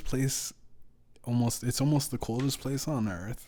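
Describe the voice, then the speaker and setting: Dark and mellow in tone, a man's voice with a Canadian prairie accent shows ordinary pitch variation. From central Canada. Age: 20s. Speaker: podcast host. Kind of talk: casual monologue. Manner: halting.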